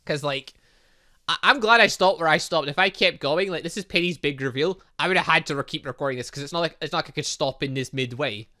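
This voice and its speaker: Reading game dialogue aloud during a relaxed let's-play, this man also jokes about the visual novel's plot. His voice is fairly high, quick, bright and forceful, and he chats with laughing asides, often restarting partway through a word.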